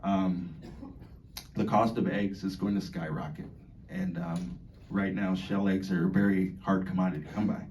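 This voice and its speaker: A man with a deep voice speaks to residents in an unscripted, halting way, filling gaps with ums and restarting his sentences. He sounds distant from the microphone. Faint noise sits underneath. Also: creaky, darkish tone. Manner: halting, many fillers and restarts, laughs between points. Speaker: dining staff member speaking to residents. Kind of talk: informal speech to an audience. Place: community hall. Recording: far from the mic, faint background noise.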